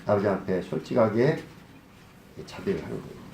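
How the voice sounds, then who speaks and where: A man's voice: big pitch swings, a little fast, creaky, a little hiss or hum. A male pastor preaching a sermon, asking the congregation questions and answering them himself. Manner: acts out scenes with a softer low voice. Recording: echoey hall.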